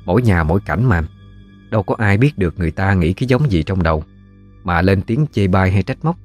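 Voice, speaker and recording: A man with a Southern Vietnamese accent narrating a ghost story in a folksy, unhurried way. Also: deep voice, animated, darkish tone, soft background music.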